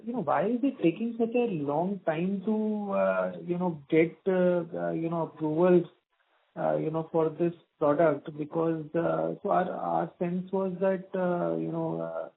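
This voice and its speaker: Gravelly man on a phone line. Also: sits high, fairly even intonation, a little slow. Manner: hesitant, full of "you know". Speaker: analyst asking questions. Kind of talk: earnings call questions.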